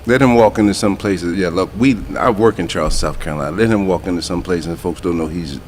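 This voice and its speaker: A man's voice: low voice, fast talker, slight background noise. A man on a radio talk show panel who keeps chiming in, echoing and agreeing with the host.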